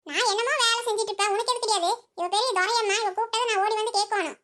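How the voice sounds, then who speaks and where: A bossy old village mother-in-law in a cartoon, as a woman voices her, who fires off teasing scolds at a breakneck clip. Her voice sits very high and thin, and she barely pauses between jabs. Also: a bit bright. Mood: scolding. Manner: teasing and scolding, quick retorts. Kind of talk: cartoon voice acting.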